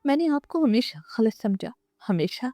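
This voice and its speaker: A woman voicing a remorseful young wife who pleads softly for another chance. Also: fairly high pitch, very animated, no echo, clean studio sound, pitched above the performer's own voice. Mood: pleading. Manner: pleading, soft.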